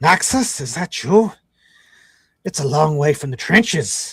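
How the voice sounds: A man uses a put-on character voice pitched fairly high. He speaks at a fairly slow pace.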